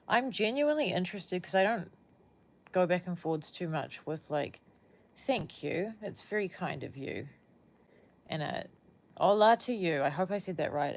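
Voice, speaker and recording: Young kiwi woman, low voice, casual livestream chat, rambly, restarts a lot. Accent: New Zealand. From New Zealand. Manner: rambling, searches for words, restarts often.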